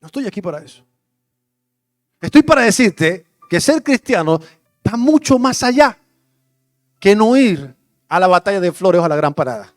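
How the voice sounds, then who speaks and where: High-voiced male pastor, impassioned sermon, dry close mic, faint music bed. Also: big pitch swings, moderate pace, long pauses, no echo. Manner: impassioned preaching, swinging from loud declarations to hushed prayerful asides.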